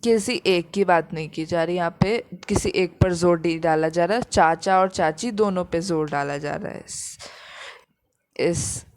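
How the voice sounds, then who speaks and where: Slow, patient woman teacher. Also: fairly low pitch, a little mellow. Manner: patient, repeats each example slowly. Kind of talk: Hindi grammar lesson explaining examples.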